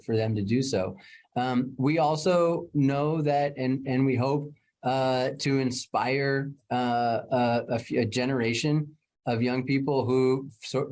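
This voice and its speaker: A man's voice: medium pitch, a little mellow. Earnest man answering press questions. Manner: earnest, many fillers and restarts. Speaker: state program official.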